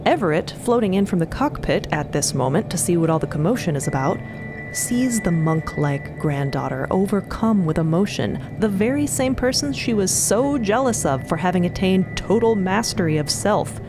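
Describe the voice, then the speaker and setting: A woman tells a scripted drama in a fairly low voice. Her phrasing is measured and deliberate, and music is clearly heard behind her. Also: lively intonation. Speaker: narrator. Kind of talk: dramatic scripted audio-fiction narration. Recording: music bed under the voice.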